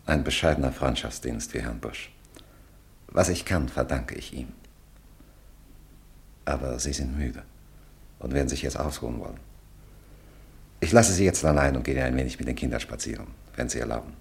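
An actor playing a courteous, deferential French gentleman landlord in a radio drama, speaking formally and obligingly. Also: extremely low pitch, normal speed, creaky, pauses often. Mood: courteous, soothing. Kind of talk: mid-century German radio drama acting.

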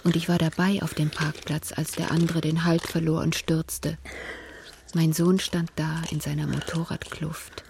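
A woman narrating in the inner voice of an anxious mother in a radio play, quiet and halting, sometimes whispering. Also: deep voice, level tone, vocal fry, a little hiss or hum. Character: anxious mother of a troubled son.

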